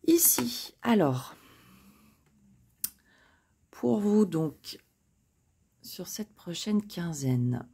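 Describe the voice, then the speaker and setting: A woman's voice: on the low side, sing-song, very slow, vocal fry, long pauses, dark tone, breathy edge. A woman chatting casually as she lays out tarot cards for her viewers, hesitating often and joking at her own expense. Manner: chatty, hesitant with frequent fillers, self-joking. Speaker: tarot card reader. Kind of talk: casual spoken card reading.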